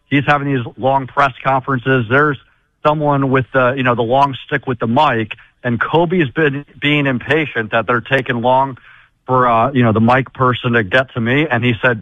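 A man with a loud, carrying voice chats casually as a basketball insider on a sports radio show. His line sounds a little muffled and dry, as if phoned in from somewhere close to the mic. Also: mid-range voice, no room sound. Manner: loud voice, storytelling. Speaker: NBA insider.

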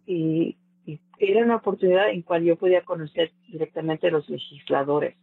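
Woman, earnest interview guest, gravelly raspy voice, dry phone-like sound. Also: on the low side, a little fast, dry recording. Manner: earnest, with hesitant restarts. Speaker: former scholarship recipient guest. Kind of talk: casual personal story in an interview. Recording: dry tinny phone-like line.

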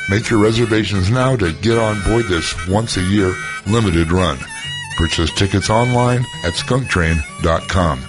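A man's voice: fairly low pitch, measured pace, music in the background. A man voicing a scripted radio commercial in an upbeat promotional read. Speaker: commercial announcer.

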